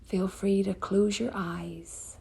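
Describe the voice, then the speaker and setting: A woman yoga teacher leading a guided relaxation meditation in a soft, breathy, soothing manner with gentle pauses. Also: medium pitch, flat delivery.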